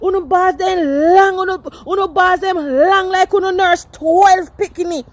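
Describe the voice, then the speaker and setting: A woman's voice: very high-pitched, steady tone, moderate pace. A woman with a Jamaican accent, talking emphatically in patois in an archived street clip.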